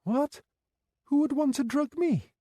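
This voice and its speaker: A woman's voice: sits high, a little slow, mellow, dry recording, voice pushed up. A man voicing an anxious young female night care worker, talking in a worried, pleading way close to tears. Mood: distressed.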